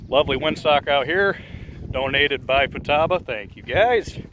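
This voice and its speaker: A man's voice: mid-range voice, animated, normal speed, fairly bright tone, slight background noise. A man casually narrating a walking tour outdoors at a grassy field, rambling and chatty with many fillers, recorded on a phone he holds while walking. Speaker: model airplane club member giving a field tour. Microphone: phone held while walking.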